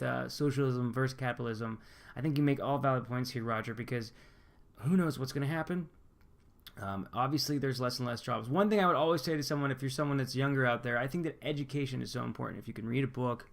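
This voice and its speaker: His voice is gravelly and mid-range as he goes through viewer comments on his channel, reading each aloud. The speaker, a young Pennsylvanian man, replies casually and upbeat, restarting his sentences loosely.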